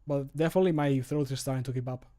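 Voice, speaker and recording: A man's voice: mid-range voice, fairly even intonation, very fast, mellow. A man in his thirties chatting casually as a streamer while he works. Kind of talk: casual chat while recording voice lines. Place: small home room.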